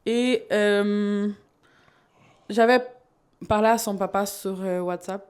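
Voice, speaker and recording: Woman guest, mid-pitched voice, candid storyteller, quick to laugh. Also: fairly even intonation, darkish tone, smooth. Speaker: podcast guest. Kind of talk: casual live podcast chat. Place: studio. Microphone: podcast microphone.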